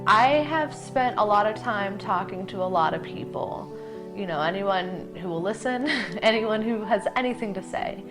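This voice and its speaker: A woman's voice: mid-range voice, expressive, moderate pace. A young woman interviewed for a news story, speaking in an earnest, determined way. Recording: news clip with music behind.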